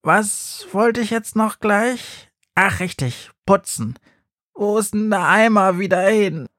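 A small, scatterbrained old gnome with a high, thin, plaintive voice, put on by a man. He talks in a muddled, fretful way, dry and close to the mic. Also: expressive, slow pace, a bit bright, no room sound, heavily acted. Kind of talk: storybook reading.

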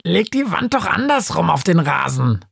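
A bossy, harried little house ghost with no arms, put on by a male audiobook reader. The voice sits noticeably higher than the reader's own, with a gravelly rasp. It sounds close and dry. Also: sing-song, normal speed, a bit bright, no echo, heavily acted. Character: grumpy armless little flying house ghost. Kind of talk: audiobook character voice.

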